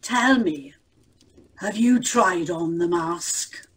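Woman playing a husky, pompous pantomime prince. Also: fairly low pitch, animated, drawn-out words, fairly bright tone, heavily acted. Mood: tender, wooing. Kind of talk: comic audio pantomime acting.

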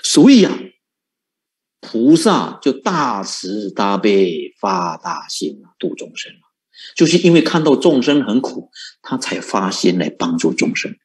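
A Buddhist monk teaches a sermon, drawing his listeners in with repeated rhetorical questions and chuckling often. His voice is fairly low and very animated, and he speaks a bit slowly.

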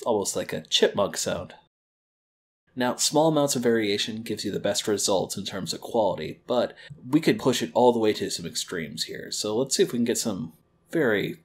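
A man teaching a screen-recorded lesson on a quality desk microphone, calmly explaining audio editing and wave theory step by step. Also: on the low side, normal speed, slight background noise. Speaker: library educator.

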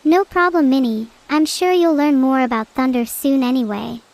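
A synthetic female AI voice, chatting casually as a stream co-host with dry, deadpan quips. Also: high voice, moderate pace, a little hiss or hum, low-quality recording. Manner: deadpan, matter-of-fact quips. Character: female AI vtuber, dry and teasing.

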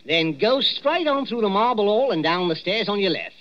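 A man's voice: high voice, lively intonation, normal speed. An actor playing a chatty, jovial male night watchman in a 1940s radio drama, heard on a dull old recording. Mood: chummy. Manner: chummy, chuckling, calls people 'Governor'.

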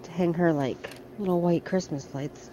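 A woman's voice: fairly low pitch, moderate pace, lo-fi sound, noisy background. A middle-aged American woman vlogging casually as she shops in a large discount store, chatting and thinking aloud about products into a handheld phone. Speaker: shopping vlogger. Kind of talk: casual shop-with-me vlog. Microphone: handheld phone camera.

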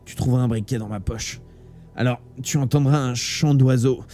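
A man voicing a wounded, dying teenage boy in a live audiobook reading, speaking low and quietly through pain. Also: steady tone, normal speed, soft background music, close to an everyday voice. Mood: urgent calm.

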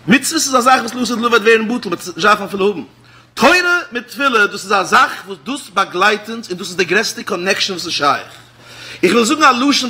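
Animated Hasidic rabbi preaching. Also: male voice. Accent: Hasidic Yiddish. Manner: swings between loud exclamations and low murmured asides. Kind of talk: Yiddish-flavored Hasidic sermon.

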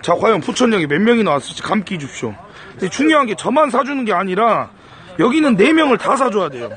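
A man doing a casual live stream from a car, loud and excitable, swearing and thanking viewers. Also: sits high, quick pace.

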